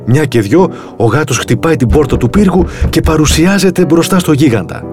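Expressive man reading a storybook. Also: fairly high pitch, music in the background. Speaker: narrator.

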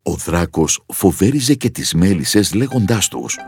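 Deep male narrator for a kids' storybook, animated and expressive. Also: soft background music.

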